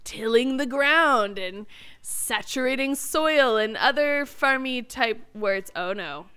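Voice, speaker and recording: A woman's voice: on the high side, expressive, slow, sharp tone, clean tone. A woman hosting a gameplay video, chatting casually and expressively as she talks herself through what she is doing. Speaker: host of a gameplay video series. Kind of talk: casual video game commentary.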